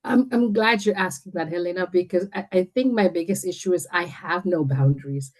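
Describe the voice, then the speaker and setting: A woman from India talks as a podcast guest, in a slightly low voice. She speaks confidently and emphatically, and she often restarts her sentences as she goes. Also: brisk. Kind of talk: casual interview chat.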